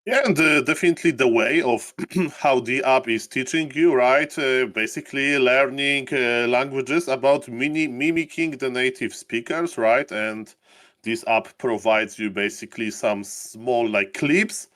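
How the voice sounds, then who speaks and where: A man's voice: mid-range voice, measured pace, a bit bright. A man co-casting a live esports broadcast, with rambling, enthusiastic banter full of fillers. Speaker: esports co-caster.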